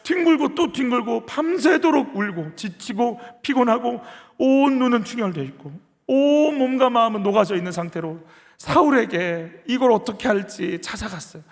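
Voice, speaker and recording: A male pastor delivers an earnest sermon in a church sanctuary, pressing his listeners with rhetorical questions. His voice sits high for a man. Long reverb from the church hall trails every phrase. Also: expressive, moderate pace. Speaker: senior pastor.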